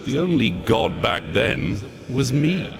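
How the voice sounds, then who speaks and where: A man playing a mocking, pompous ancient demon in a video game, theatrical and taunting, with a gravelly voice. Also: medium pitch, lively intonation, slow, background noise. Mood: gloating, contemptuous. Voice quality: gravelly, creaky. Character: gloating, mocking ancient demon mastermind, male. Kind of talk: video game villain acting. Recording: loud music over the voice.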